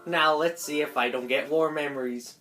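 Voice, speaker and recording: In a deep, slightly bright voice at normal speed, a woman narrates a visual novel as an amateur video creator, faint music playing behind her. She adds asides, stumbles over lines and corrects herself along the way.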